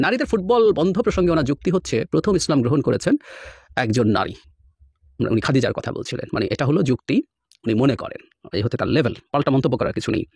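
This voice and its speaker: A male commentator talks fast, and his pitch swings widely as he mocks and argues. His voice is husky, recorded dry and close with no room sound. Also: dry recording. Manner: animated and scornful, mixes in English phrases. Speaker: political commentator. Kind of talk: spoken commentary.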